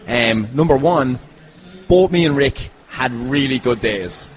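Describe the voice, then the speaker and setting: A man's voice: medium pitch, animated, slow. An Irish man hosting a podcast in casual banter, giddy and sweary. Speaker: podcast host.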